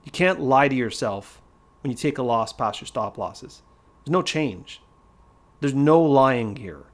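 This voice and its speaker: A man's voice: mid-range voice, animated, a little slow. A man teaching trading on a casual livestream, blunt and emphatic, hammering his main points home by repeating them. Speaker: trading educator.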